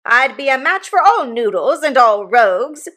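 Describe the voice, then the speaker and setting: A woman voicing a violent, shrewish wife, shrill and theatrically indignant, in a storybook reading. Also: very animated, moderate pace. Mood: raging. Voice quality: shrieking, shrill. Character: violent shrewish married woman, scolding and easily enraged.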